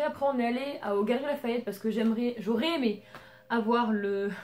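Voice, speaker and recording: Against noticeable background noise, a woman with a high voice speaks with ordinary pitch variation. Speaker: YouTuber, cosplay and makeup channel co-host. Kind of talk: casual haul chat.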